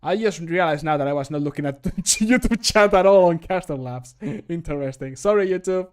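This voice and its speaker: Higher-voiced man chatting jokily on stream. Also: moderate pace, clean tone. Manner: jokey, chatty, animated, self-amused. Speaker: streamer and hobby game modder recording voice lines. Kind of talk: casual livestream chat. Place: small home room, indoors.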